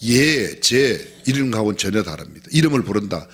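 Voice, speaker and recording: A male pastor preaching a sermon in an animated way, asking the congregation questions and acting out quotes. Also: on the low side, normal speed, slightly rough. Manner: animated, often acts out quoted speech; asks the congregation questions directly.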